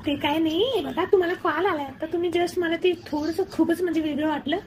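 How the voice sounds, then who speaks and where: A woman's voice: very high-pitched, fairly even intonation, brisk. A young woman chatting casually and teasingly on a phone call, often asking questions. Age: young adult. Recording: noisy recorded phone call.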